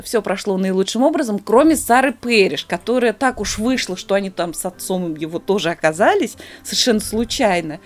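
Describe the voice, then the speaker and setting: A woman co-hosting a podcast, chatting casually and telling stories with acted-out quotes. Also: medium pitch. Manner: lively storyteller, acts out quotes. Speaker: podcast co-host. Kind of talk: casual podcast chat, recommending a series.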